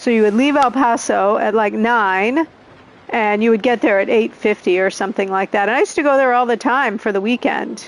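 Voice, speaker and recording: With an unremarkable speaking voice, a woman speaks at a fairly high pitch, her loudness very even and her pitch variation ordinary. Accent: American. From US, Maryland. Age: 60s. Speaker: game streamer. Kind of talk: live gameplay stream with chat. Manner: casual, rambling with fillers.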